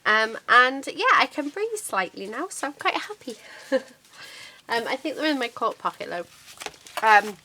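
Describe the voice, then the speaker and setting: A woman's voice: a little high, big pitch swings, a little slow, bright, forceful tone, slight background noise, low-quality recording. A middle-aged woman with a cold, chatting casually and rambling as she shows a craft magazine on her channel. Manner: chatty, rambling, many fillers. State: congested from a cold. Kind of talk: casual chat showing a magazine.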